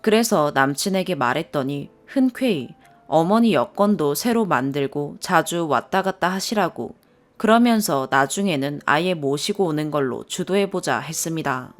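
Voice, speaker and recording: A woman narrating a first-person story in a calm, even reading voice. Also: deep voice, moderate pace. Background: soft background music.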